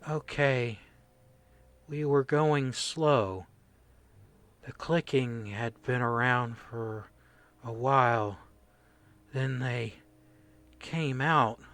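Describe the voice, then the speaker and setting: A man playing a traumatized corporal in a radio play, recounting horrors in halting, broken phrases. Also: mid-range voice, fairly bright tone. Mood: sedated, grieving. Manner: halting, haunted, fragmented delivery. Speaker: voice actor.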